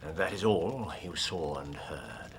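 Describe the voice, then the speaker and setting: An actor playing a keen male detective who questions a client in a measured way, pausing on hesitant "uh"s. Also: rumbling low, expressive, gravelly, slight background noise, exaggerated voice. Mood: probing. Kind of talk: radio drama acting.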